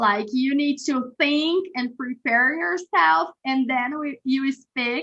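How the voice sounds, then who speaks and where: A woman speaks in a Brazilian Portuguese accent with a high pitch and a bright, sharp tone. Her intonation is lively, though her pace is very slow. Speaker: behavior analysis teacher, interviewer. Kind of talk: casual interview chat. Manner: slower, effortful in English; halting, with repetitions.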